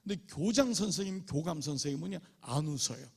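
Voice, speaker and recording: A male pastor delivers an emphatic revival sermon in a church sanctuary. His voice sits a little high, with a gravelly, husky edge. He drops into acted quotes now and then. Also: animated, brisk, darkish tone.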